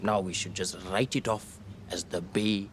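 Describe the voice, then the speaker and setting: A man's voice: sits low, fairly even intonation, measured pace, background noise. An actor playing a bitter, world-weary older fisherman father, grumbling and swearing in a radio play. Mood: weary, resigned. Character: bitter older Indian fisherman father lecturing his son.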